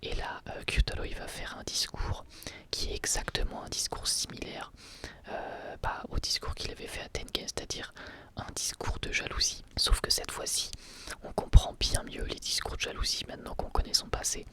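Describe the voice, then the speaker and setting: An ASMR creator whispering an episode review, hesitant and full of fillers and restarts. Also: normal speed. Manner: soft, breathy whisper throughout.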